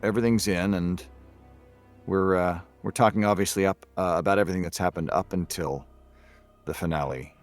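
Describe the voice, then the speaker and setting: A man's voice: low voice, a little fast, soft background music. A man who works as a voice actor, talking casually in a group interview. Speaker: voice actor, podcast cast member. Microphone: recording from home closet.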